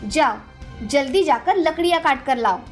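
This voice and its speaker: A woman's voice: high-pitched, expressive, moderate pace, faint music behind. A woman voicing a harsh, bossy stepmother who scolds and taunts in a cartoon story. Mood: scolding. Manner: scolding, commanding. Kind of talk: cartoon voice acting.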